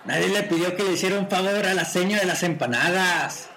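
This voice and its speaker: Man playing a gravelly, sneering rogue. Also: sits high, fairly quick, sharp tone, slight background noise. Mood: scornful. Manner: rude, scornful back-talk. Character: coarse, mocking male street rogue with loose morals. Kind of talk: amateur radio drama acting.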